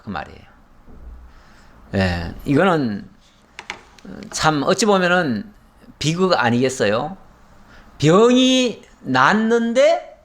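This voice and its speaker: Man, pastor, Bible sermon, high lively voice, dramatic storytelling, trailing soft endings. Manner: animated storytelling, acts out dialogue with rising pitch; drops voice low and soft at sentence ends.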